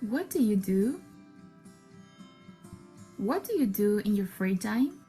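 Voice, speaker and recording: A woman narrating a scripted language lesson, speaking model sentences slowly and carefully. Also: medium pitch, sing-song, warm tone, soft background music. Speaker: English teacher in a video.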